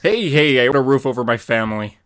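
A man voicing a stern, gruff middle-aged father in an amateur comic reading. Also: medium pitch, animated, fast, fairly bright tone, no echo, studio quality, natural voice. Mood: defensive. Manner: gruff, scolding.

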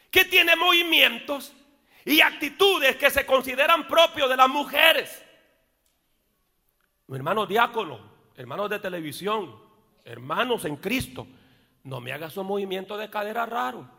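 High-voiced pastor, church echo. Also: male voice, creaky. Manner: preaching with shouted peaks and joking asides. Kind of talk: sermon. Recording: long reverb of a church hall.

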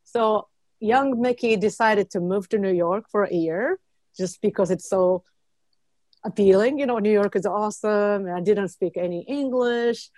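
A woman's voice: mid-range voice, moderate pace, no room sound. A woman in her thirties from Japan with a Japanese accent, a guest chatting casually and saying "like" a lot. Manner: relaxed, chatty, says "like" often. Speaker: guest jazz pianist. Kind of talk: casual interview chat.

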